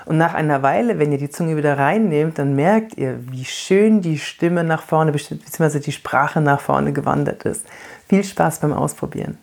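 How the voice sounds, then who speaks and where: A woman's voice: deep voice, moderate pace, vocal fry, a little mellow. A woman from Franconia giving a cheerful, demonstrative speaking tip as a body-language coach. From Franconia, Germany. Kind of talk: instructional video talk.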